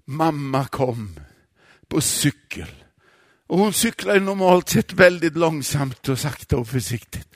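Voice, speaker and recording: A man telling a story dramatically, swinging from hushed near-whispers to loud outbursts. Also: on the high side, animated, dry recording, clean studio sound. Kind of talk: expressive story narration.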